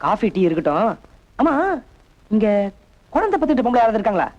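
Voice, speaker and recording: An actor playing a nervous, flustered young bachelor in a film comedy. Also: male voice, high voice, sing-song, fast, darkish tone, dull audio. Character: jittery young bachelor hiding a baby.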